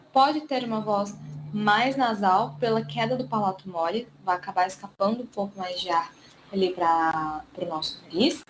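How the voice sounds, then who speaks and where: A woman with a Brazilian Portuguese accent, a speech therapist giving an online lecture and drawing out key words slowly to explain them. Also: fairly high pitch, slight background noise, low-quality recording.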